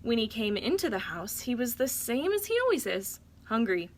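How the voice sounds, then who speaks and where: A woman reading a children's story aloud like a teacher, with deliberate, dramatic phrasing for young listeners. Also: on the high side, big pitch swings, a little hiss or hum.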